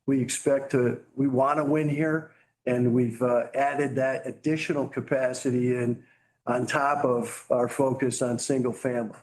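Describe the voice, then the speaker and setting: Male corporate executive, mid-pitched and level, answering questions on an earnings call. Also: fairly even intonation, a little slow, darkish tone, poor audio. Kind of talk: semi-prepared business commentary on an earnings call.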